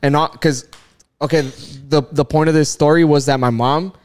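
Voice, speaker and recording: A man's voice: fairly high pitch, fairly even intonation, normal speed, a little mellow, clean tone. A man in his thirties in a casual chat, rambling along with lots of swearing and filler words. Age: 30s.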